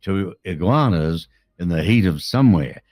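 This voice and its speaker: A man's voice: deep voice, lively intonation, normal speed, darkish tone, no room sound, studio quality. An Australian man hosting a casual interview show in a chatty, matey, colloquial way. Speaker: show host.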